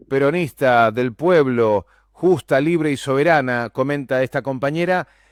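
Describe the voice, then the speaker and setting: At a moderate pace, a man with medium pitch and ordinary pitch variation speaks on a very clean recording with a silent background, the sound dry and close with no echo. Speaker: radio host. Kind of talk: radio interview. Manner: halting.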